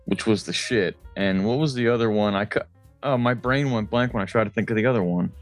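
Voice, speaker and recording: A man's voice: on the low side, fairly quick, faint music behind. A man co-hosting a podcast, chatting informally in a slangy way. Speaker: podcast host. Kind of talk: casual chat.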